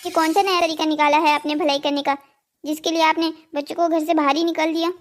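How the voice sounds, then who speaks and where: An anxious cartoon mother acted by a woman, pleading with and reproaching her husband. Her female voice is extremely high. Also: level tone, quick pace, natural voice. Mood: worried, reproachful. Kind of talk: scripted cartoon story dialogue.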